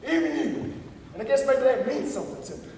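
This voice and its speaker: A man's voice: extremely high pitch, lively intonation, quick pace, a little mellow, a little hiss or hum. An actor playing a rowdy, drunk rural man who taunts and brags crudely. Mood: taunting. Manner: taunting, crude, swaggering storyteller. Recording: echoey hall, far from the mic.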